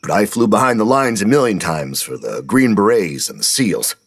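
A crude, foul-mouthed old scoutmaster grandpa with a gruff, low growl, as a man puts him on. His deep voice is husky and he spits out his words. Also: sing-song, normal speed, exaggerated voice. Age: older. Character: crude, gruff older scout leader, bigoted.

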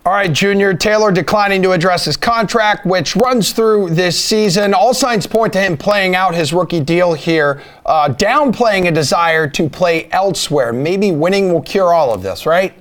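A man's voice: high-pitched, moderate pace, hardly any pauses, a bit bright. A man co-hosting sports radio, talking in a casual style. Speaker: sports show co-host.

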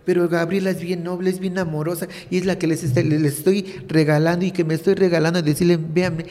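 A woman's voice: on the low side, little pitch movement, brisk, warm tone. Trans woman, interviewee, rambling and earnest, recorded with hall reverb. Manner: earnest, rambling with many fillers. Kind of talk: candid personal testimony.

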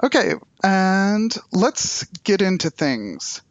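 A man's voice: high-pitched, sing-song, slow pace, no room sound, muffled recording. A man hosting a podcast, introducing guests and putting questions to them. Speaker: podcast host.

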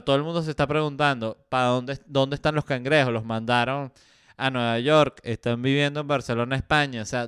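A Venezuelan man hosts a relaxed comedy podcast, riffing and putting on little voices for the people he quotes, with plenty of fillers along the way. His voice is clear and resonant, at a middle pitch for a man. It is recorded close to the mic in a dry room. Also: dry recording. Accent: Venezuelan Spanish. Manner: joking, acts out quoted voices, lots of fillers. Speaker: podcast host. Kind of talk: casual comedic podcast chat.

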